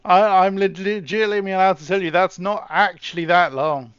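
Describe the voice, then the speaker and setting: A man's voice: high voice, steady tone, fairly quick, a bit bright, clean tone, no room sound, muffled recording. A man casually chatting with his live-stream audience while setting up soldiers in a game, often trailing off and restarting.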